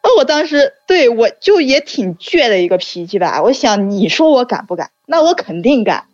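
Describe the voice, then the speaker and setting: A woman tells a story in a casual, chatty way and acts out each exchange in brisk bursts. The sound is dry and a bit dull, with faint music underneath. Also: a little high, sing-song, darkish tone, no echo. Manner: chatty, recounts dialogue in quick bursts.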